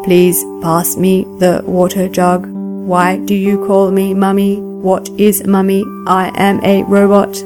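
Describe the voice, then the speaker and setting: A deadpan household robot, as a mum puts it on, speaking in careful, evenly spaced words. Soft plucked guitar plays clearly behind the voice. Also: female voice, mid-range voice, natural voice. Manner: slow, flat, stilted speech. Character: flat mechanical household robot.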